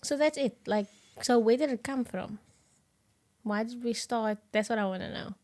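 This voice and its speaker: South African woman, young, co-host; animated casual chat, slightly high voice, lots of laughing. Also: normal speed. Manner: animated, laughs often, drops to whispers. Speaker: podcast co-host.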